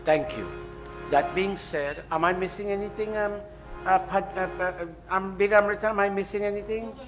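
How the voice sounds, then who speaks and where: High-voiced man directing a temple ceremony. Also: fairly even intonation, moderate pace, over music. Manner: directive, joking, apologetic asides. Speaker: temple priest leading a ceremony. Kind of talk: live ceremony directions to congregation.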